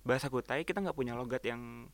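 A young man from East Kalimantan, a guest in a casual chat, relaxed and quick to laugh. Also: mid-range voice, gravelly, no echo. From East Kalimantan, Indonesia. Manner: relaxed, laughs often, acts out quoted speech.

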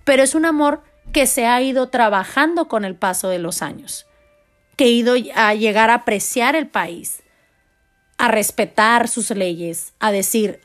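Loud, expressive Mexican woman. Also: fairly high pitch. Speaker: mother sharing family stories. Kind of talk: casual storytelling to viewers.

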